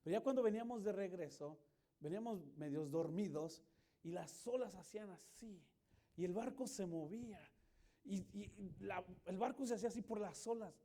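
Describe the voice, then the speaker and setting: A male pastor giving a lively sermon in a church, joking with the congregation and acting out scenes. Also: high voice, normal speed. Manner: animated, jokes with the congregation, acts out voices and screams. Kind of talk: lively sermon with acted-out anecdotes.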